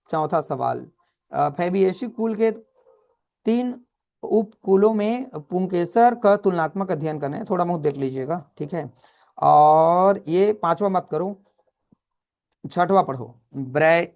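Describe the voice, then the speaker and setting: Brisk teacher. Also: male voice, high voice, darkish tone. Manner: brisk, addresses students as children. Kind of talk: exam revision lesson.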